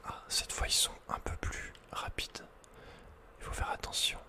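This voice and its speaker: A man hosting an ASMR gaming video speaks only in a soft, breathy whisper, a little slowly. As he plays, he murmurs casual running reactions and slangy asides in whispered game commentary.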